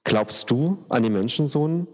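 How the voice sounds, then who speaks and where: Brief: authoritative calm teacher, man reading, slow, echoing hall. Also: medium pitch, breathy edge. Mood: solemn.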